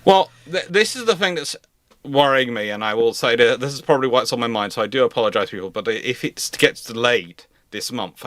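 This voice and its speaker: A man's voice: fairly low pitch, fairly bright tone, dry recording. A man chatting casually as a livestream host, rambling and venting with exasperation.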